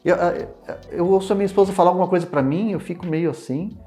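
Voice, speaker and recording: A man with a Brazilian Portuguese accent, explaining personality types in an expressive talk, acting out everyday examples as he goes. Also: fast talker, soft background music. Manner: expressive, swings pitch widely, acts out examples. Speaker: enneagram teacher.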